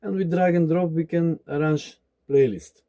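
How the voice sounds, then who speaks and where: A man narrating a scripted tech tutorial as its presenter, with deliberate, halting phrasing. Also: on the high side, dark tone. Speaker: presenter demonstrating a DIY electronics project.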